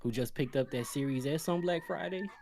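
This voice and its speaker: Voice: medium pitch, brisk, gravelly, over a noisy crowd. A podcast panelist chatting casually and jokingly about games in a remote group call.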